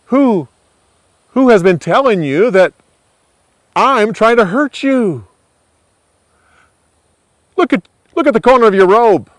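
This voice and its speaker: A man's voice: high-pitched, animated, slow pace, long pauses, no echo, clean studio sound, pitched above the performer's own voice. A man playing an earnest young hero pleading with his king.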